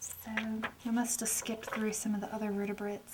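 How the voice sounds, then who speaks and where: Over noticeable background noise, a soft-spoken woman with a fairly high pitch talks at a moderate pace in a nervous tone. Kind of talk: ASMR video, casual talk to camera. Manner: nervous, soft-spoken.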